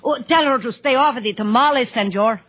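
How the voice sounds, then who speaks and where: An actress playing a big, jolly, flirtatious Cuban dance-hall madam in a radio drama, effusive, with a Cuban Spanish accent. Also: female voice, on the high side, brisk, close to an everyday voice. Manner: effusive, theatrical, teasing. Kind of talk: 1950s radio drama acting.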